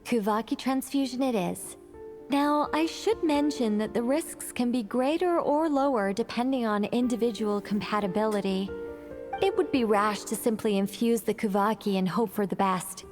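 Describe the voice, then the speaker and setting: An actress playing a self-assured, verbose woman scholar in an anime game, speaking in a formal, measured and articulate way. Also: a little high, natural voice. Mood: matter-of-fact. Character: poised, self-assured female scholar, verbose and dryly polite. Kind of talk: anime game voice acting, expository. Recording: game music playing behind.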